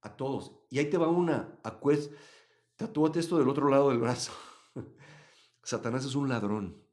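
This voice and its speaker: A man from Mexico, teaching a live Bible study and answering chat comments, swinging between loud emphasis and quiet asides. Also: medium pitch, moderate pace. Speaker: Christian livestream teacher.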